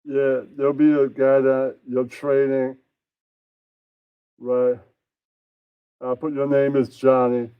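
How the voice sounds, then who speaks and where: A man's voice: medium pitch, level tone, slow, long pauses, smooth. A man performing an improvised comic puppet skit in a crude, rambling way, full of repeated catchphrases. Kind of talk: improvised comedy puppet skit with put-on character voices. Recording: echoey, slightly dull room recording.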